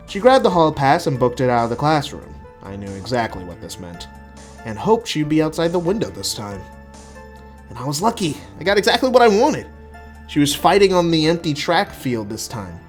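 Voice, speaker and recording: A man giving an expressive, casual dramatic reading of his own first-person writing. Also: a little high, moderate pace, faint music behind. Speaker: writer reading own work.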